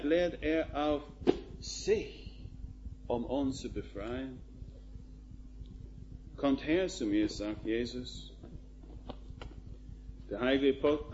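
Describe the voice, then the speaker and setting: A man preaching a sermon in a slow, emphatic style, building to rising calls to the listeners. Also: a little high, a little mellow. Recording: dull lo-fi recording with faint noise.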